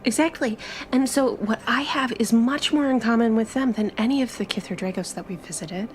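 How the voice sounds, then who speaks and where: A woman's voice: a little high, fairly quick, slight background noise, close to an everyday voice. A woman playing an eager, chatty young traveler in a tabletop roleplay, with gushing, informal, stop-start chatter. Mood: eager, insistent.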